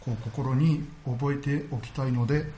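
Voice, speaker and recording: A man preaching a sermon as pastor, earnest and measured, often padding his sentences with small filler words. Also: medium pitch, steady tone, warm tone, a little hiss or hum.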